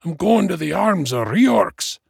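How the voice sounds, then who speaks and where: A man voicing an old male dwarf from a fantasy storybook, weak and croaking, irritable and full of self-pity. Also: on the high side, slow, dry recording, clean studio sound, pitched above the performer's own voice, heavily acted. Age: older.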